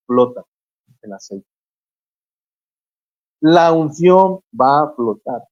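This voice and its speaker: A preacher, preaching fervently on a Christian radio show and retelling scripture stories with acted quotes. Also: female voice, sits low, darkish tone, no room sound, muffled recording. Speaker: guest preacher on a radio program.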